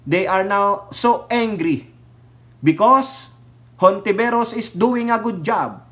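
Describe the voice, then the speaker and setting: A man's voice: high voice, a bit bright. A man with a Filipino accent, a political vlogger giving a heated, mocking rant full of rhetorical asides and insults. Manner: mixes English into speech, rhetorical asides. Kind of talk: ranting political commentary.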